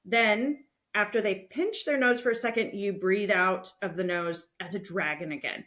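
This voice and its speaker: A woman's voice: medium pitch, normal speed, fairly bright tone. A woman hosting a podcast, explaining things to parents in a conversational, instructive and reassuring way. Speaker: podcast host.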